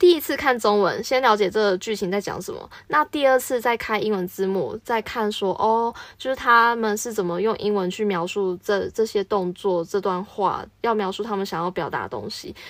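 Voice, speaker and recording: A woman's fairly high voice, an ordinary speaking voice with ordinary pitch variation, on a very clean recording with a silent background. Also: moderate pace. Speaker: working holiday backpacker, podcast co-host. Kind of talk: casual chat.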